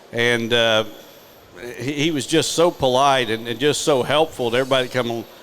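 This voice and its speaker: A man talks fairly quickly and with fairly even intonation while noticeable background noise fills the clip. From US North. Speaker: podcast host. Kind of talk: live podcast before audience. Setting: live event with audience. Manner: halting.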